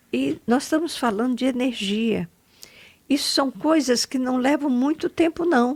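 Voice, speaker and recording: Speaking at a fairly slow pace, a woman with a high voice is recorded with a dry, close sound and no echo. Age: 80s+. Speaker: spiritual teacher. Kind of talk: interview.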